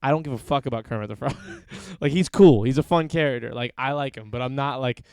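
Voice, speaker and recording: A young American man co-hosting a casual podcast, swearing and laughing often as he chats and reads the live chat. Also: medium pitch. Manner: profane, laughs often, fast and animated. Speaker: podcast co-host.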